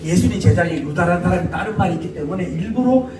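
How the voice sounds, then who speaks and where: A middle-aged male pastor preaches a lively sermon in a high voice. His pitch jumps all over as he shouts questions and laughs between points. He sounds far from the mic in a roomy, echoing hall with a faint hiss underneath. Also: fast talker. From South Korea.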